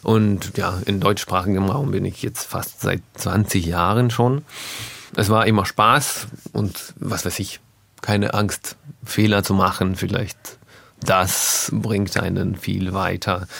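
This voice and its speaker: A man from Russia, a native Russian speaker, talking as a musician guest in a radio interview, thoughtful and often pausing to find his words. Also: low-pitched, fairly even intonation, creaky, a bit bright, dry recording. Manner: thoughtful, searching for words with pauses.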